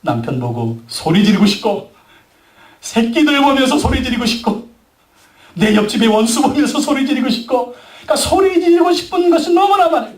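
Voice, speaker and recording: A pastor delivers a dramatic sermon, acting out pleading cries and scolding crowds as he preaches. His voice sits very high for a man. The recording is roomy and distant, with the mic set away from him in the church. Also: sing-song, moderate pace. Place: church sanctuary.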